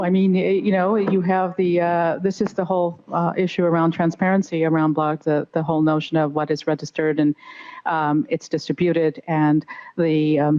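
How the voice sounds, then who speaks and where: A middle-aged woman speaking off the cuff as a conference panelist, in halting but emphatic phrases, into a handheld mic. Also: sits low, mellow, lo-fi sound. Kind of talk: unscripted panel discussion. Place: on stage in a conference hall. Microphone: handheld microphone.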